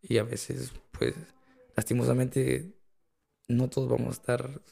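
A man with a US Latino Spanish accent and a gravelly, husky voice, chatting casually and telling anecdotes, slipping into English and often checking that the listener follows. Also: mid-range voice, level tone, measured pace, dark tone. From Latin American immigrant living in the United States. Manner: code-switches into English, often tags phrases with a questioning check.

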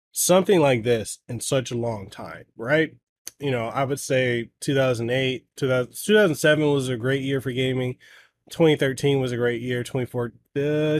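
A man's voice: mid-range voice, a little hiss or hum. A man hosting a gaming podcast, ranting bluntly and heatedly, with plenty of swearing. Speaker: podcast host. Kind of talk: ranting solo podcast talk.

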